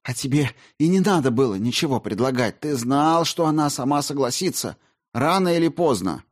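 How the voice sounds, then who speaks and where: A man voicing an angry young princess who hisses and shouts in contempt, reading a storybook scene. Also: medium pitch, normal speed, husky, pitched above the performer's own voice, lightly acted. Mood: furious. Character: furious young woman, a princess, scornful.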